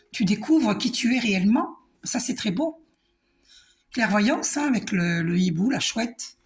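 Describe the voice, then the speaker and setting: A woman doing a calm, reassuring spiritual card reading. She talks to the viewer, repeats herself and uses many fillers. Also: medium pitch. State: coughing a little. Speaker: card reader.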